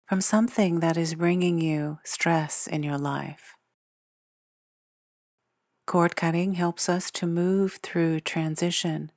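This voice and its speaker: A woman leading a guided meditation in a soothing, measured way, leaving long pauses between phrases. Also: fairly low pitch, a little mellow, dry recording, clean studio sound. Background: meditation music with singing bowls.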